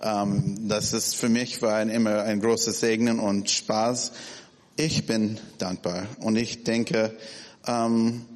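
Slow, halting man in a reverberant hall. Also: lowish voice, flat delivery. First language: not German. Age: 40s. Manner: halting, searching for words, many restarts. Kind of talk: informal church talk. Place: church hall.

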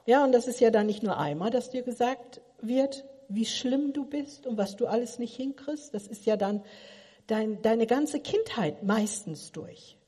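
A woman's voice: on the high side, lively intonation, unhurried, warm tone, husky. A middle-aged woman giving a sermon, asking her listeners earnest, probing questions. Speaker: preacher. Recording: long hall reverb.

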